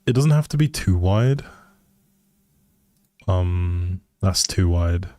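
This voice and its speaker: A man's voice: low-pitched, lively intonation, slow, mellow, dry recording. A man giving casual live game commentary as a streamer, musing aloud in a hesitant way.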